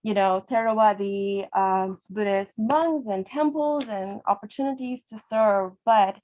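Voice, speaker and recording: A woman from Sri Lanka speaks at a ceremony, thanking everyone with a voice of ordinary, middle height. She sounds moved and grateful, slipping in soft laughs between her words. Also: medium pitch, measured pace, highs cut off. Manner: emotional, laughing softly, grateful. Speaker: event co-sponsor. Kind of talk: heartfelt speech at a ceremony.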